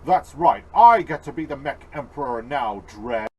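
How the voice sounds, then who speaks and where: A man's voice: medium pitch, animated, normal speed, slightly rough, far from the mic. A man voicing a power-hungry villain robot in an amateur fan cartoon, speaking in a grandiose, domineering way. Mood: gloating.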